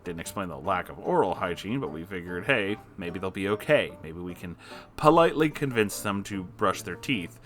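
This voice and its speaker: A man's voice: low voice, animated, normal speed, a bit bright, soft background music. A man reading an online post aloud, breaking off now and then with disgusted reactions. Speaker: story reader.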